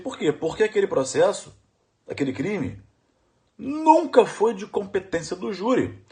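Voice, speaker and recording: Brazilian man, middle-aged law lecturer, emphatic, lively pitch, slightly high voice. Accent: Brazilian Portuguese. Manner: emphatic, repeats questions to the audience. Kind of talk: animated exam-prep lecture.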